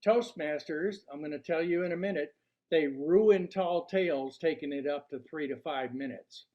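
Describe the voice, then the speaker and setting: An older man giving a prepared club workshop talk in a deliberate, showman-like way, posing rhetorical questions. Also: on the high side. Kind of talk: prepared public speech to a club audience. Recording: dull, lo-fi sound.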